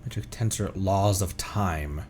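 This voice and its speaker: A man's voice: low voice, measured pace, darkish tone. A man livestreaming a game with casual commentary, reacting and musing aloud. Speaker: streamer. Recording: game music prominent behind voice. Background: game music.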